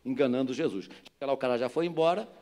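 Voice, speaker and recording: A pastor with a Rio de Janeiro accent, preaching a sermon with lively storytelling that builds to loud, emphatic exhortation. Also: male voice, medium pitch, fast. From Rio de Janeiro area, Brazil.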